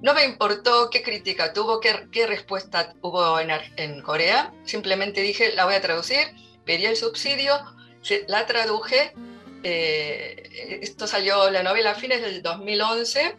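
A woman's voice: mid-range voice, lively intonation, unhurried, sharp tone, soft background music. A middle-aged woman with an Argentine Spanish accent, answering interview questions as a literary translator, hesitant with many fillers and restarts. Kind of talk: interview answers at a public talk.

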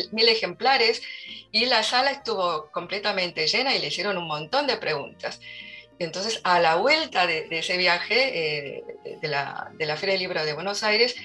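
Speaking on the low side with a pushed, bright tone, a middle-aged woman with an Argentine Spanish accent responds to interview questions at a public talk in her role as a literary translator. Her answers come hesitantly, with lots of fillers and restarts.

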